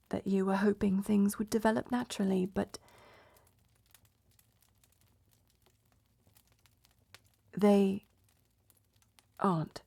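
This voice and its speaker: Woman playing a proud blunt princess, slow dramatic delivery, sardonic, medieval romance roleplay. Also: medium pitch, vocal fry, mellow, breathy edge. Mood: weary, resigned. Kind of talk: romance audio roleplay acting, addressed to listener.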